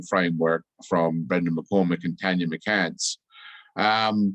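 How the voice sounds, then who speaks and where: In an Australian accent, a man with a very deep, low pitch speaks in a flat monotone. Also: dry, close sound with no echo. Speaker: actor and drama trainer. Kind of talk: presentation in an online information session. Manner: hesitant, with fillers and restarts.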